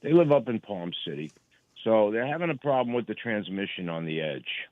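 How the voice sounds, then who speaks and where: A man calling in to a radio show who tells his story in a rambling, halting way. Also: on the low side, very animated, dry recording. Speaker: caller. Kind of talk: phone-in chat. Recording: tinny phone line.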